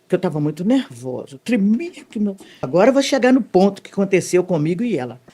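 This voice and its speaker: Middle-aged woman, emotional church testimony guest, lively and expressive. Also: fast talker, slightly rough. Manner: animated, swings widely in pitch, leans on "né" tag questions. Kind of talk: emotional faith testimony storytelling.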